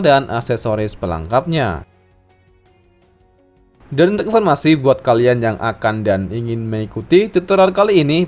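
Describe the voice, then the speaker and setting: A man reading a step-by-step phone tutorial as a scripted voice-over, in a steady instructional way. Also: medium pitch. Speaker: tech tutorial narrator. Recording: voice-over with faint background music.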